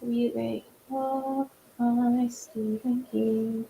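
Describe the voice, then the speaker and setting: A chatty woman host who rambles and restarts her sentences, her voice sitting a little high. The sound carries a roomy echo around her. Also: flat delivery, very slow, creaky, dark tone, a little hiss or hum. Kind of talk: casual video-call chat.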